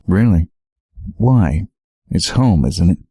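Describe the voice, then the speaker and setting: A man playing an earnest, steady young Atlantean superhero in an audio drama, speaking calmly and supportively. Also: low voice, slow pace, husky, no room sound, studio quality, full character voice. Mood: curious, concerned. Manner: calm, sincere, supportive.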